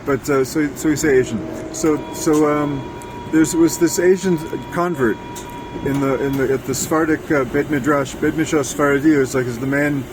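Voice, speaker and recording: A man interviewing casually in a halting, rambling, digressive way. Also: fairly even intonation. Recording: noisy, air conditioning and traffic rumble.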